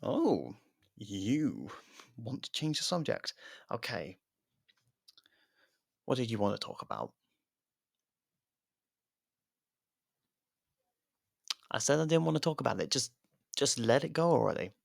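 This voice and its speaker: Casting: male actor for a sarcastic, guarded convict murderer in ASMR audio drama; very gravelly, close dry sound, needling and foul-mouthed. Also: mid-range voice, sing-song, normal speed, long pauses, dry recording, full character voice. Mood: irritated, defensive.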